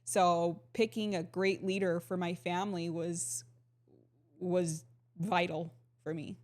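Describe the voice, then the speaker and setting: A woman in her forties with a slightly low voice co-hosts a conversational podcast. She speaks earnestly and personally, in an open, unscripted way. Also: steady tone, slow pace, a little mellow. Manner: earnest, personal, with small laughs. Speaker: podcast co-host. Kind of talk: casual conversational talk.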